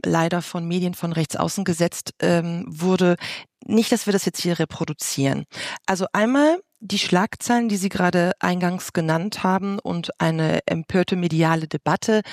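A woman's voice: fairly low pitch, no room sound, studio quality. A woman representing a media association, firmly rebutting the framing in a panel debate. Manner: firm, rebutting, emphatic.

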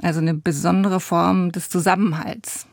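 A woman reporter narrating a radio feature in a measured storytelling manner, recorded in a studio. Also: fairly low pitch, fairly even intonation, creaky, a little mellow, no room sound.

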